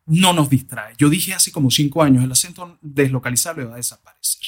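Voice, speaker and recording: Animated, talkative man, higher voice. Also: a little fast, husky. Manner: animated, discursive, frequent "o sea" asides. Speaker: guest, voice and diction expert. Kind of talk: conversational interview answers. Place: lives in the United States.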